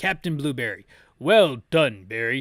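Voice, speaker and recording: This is a put-on character voice, gruff in quality. It moves at a moderate pace. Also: man, fairly high pitch for a man. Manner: gruff, commanding, though the listener calls it unconvincing.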